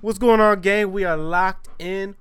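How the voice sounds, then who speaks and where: A man's voice: sits high, steady tone, a little slow, fairly bright tone. A man hosting a podcast in an easygoing, casual way, hyping up his listeners. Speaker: podcast host.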